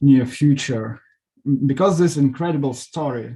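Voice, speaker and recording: Speaking with a Russian accent, a man has a dark, mellow tone. His pitch is medium, with ordinary variation. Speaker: invited lecturer. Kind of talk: Q&A after a lecture. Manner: halting, many fillers and repetitions.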